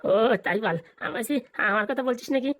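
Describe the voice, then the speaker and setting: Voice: mid-range voice, lively intonation, brisk, a bit bright, no room sound, natural voice. A performer voicing a protective, crafty village grandfather in a comedy cartoon, talking colloquially and grumbling. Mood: doting. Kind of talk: exaggerated cartoon comedy dialogue.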